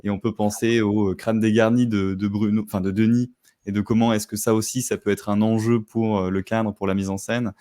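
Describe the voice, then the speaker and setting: A man who is a guest film critic, speaking in a measured, analytical way in a casual discussion. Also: on the low side, little pitch movement, dark tone.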